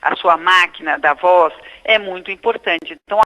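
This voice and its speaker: Brazilian woman speech therapist on the radio, bright clear voice, explains things like a teacher. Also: on the low side, normal speed, highs cut off. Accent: Brazilian Portuguese.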